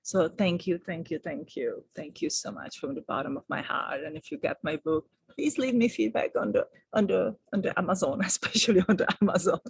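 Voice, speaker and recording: Breathy woman, gentle and low. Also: brisk, hardly any pauses, dry recording. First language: Czech. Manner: gentle, affectionate, soothing. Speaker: spiritual teacher and author. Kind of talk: spiritual guidance vlog.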